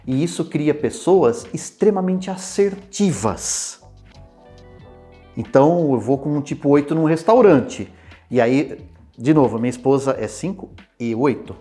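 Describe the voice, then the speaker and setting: A man with a Brazilian Portuguese accent, explaining personality types in an expressive talk, acting out everyday examples as he goes. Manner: expressive, swings pitch widely, acts out examples. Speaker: enneagram teacher.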